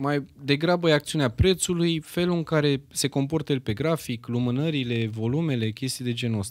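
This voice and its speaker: Captured in a very clean recording with a silent background, a man with an unremarkable speaking voice and fairly high pitch talks at a moderate pace with ordinary pitch variation and hardly any pauses. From Romania, Bucharest. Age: 30s. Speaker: crypto trader. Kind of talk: podcast interview.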